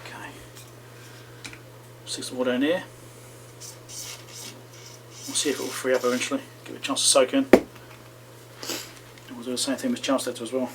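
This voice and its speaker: A man's voice: medium pitch, little pitch movement, moderate pace, pauses often, noisy background. A man hosting a repair video, casually talking himself through the work with chatty asides to viewers. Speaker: electronics repair channel host. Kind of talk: casual running commentary while repairing.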